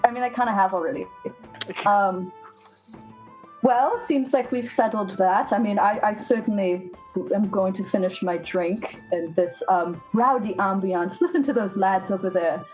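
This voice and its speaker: A woman's voice: medium pitch, moderate pace, a little mellow, soft background music, rough recording. A woman playing a tabletop game, chatting and bantering playfully in and out of character. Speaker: player. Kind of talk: casual tabletop role-play.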